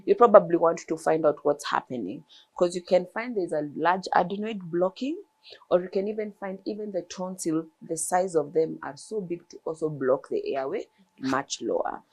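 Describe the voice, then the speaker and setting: A woman's voice: on the low side, normal speed. A woman ENT surgeon, explaining throat health in a TV interview with examples. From Kenya.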